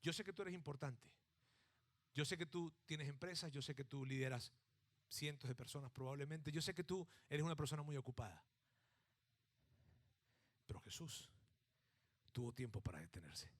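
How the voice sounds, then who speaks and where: A middle-aged man from Mexico with a Mexican accent, preaching a sermon with animated storytelling that swings from acted-out shouts to hushed emphasis. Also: fairly high pitch, a little fast. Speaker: pastor.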